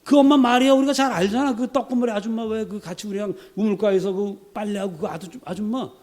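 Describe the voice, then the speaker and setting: A man putting on a high sneering gossip. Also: steady tone, fast talker, darkish tone, natural voice. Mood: mocking. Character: scornful gossiping townsman, middle-aged man.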